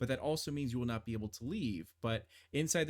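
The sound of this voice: Someone reads in an unforced voice. The pitch moves in an ordinary way.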